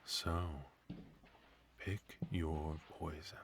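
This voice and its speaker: A man's voice: a bass voice, level tone, extremely slow, creaky, a bit bright, heavily acted. A man playing a retired supervillain husband in a comedic ASMR roleplay, teasing and doting with a theatrical, conversational delivery. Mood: tender, sly.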